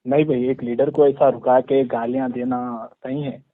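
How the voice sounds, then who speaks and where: A man's voice: mid-range voice, level tone, moderate pace, dry recording. A man, a caller on a narrow muffled phone line, asking questions politely and informally. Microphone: telephone.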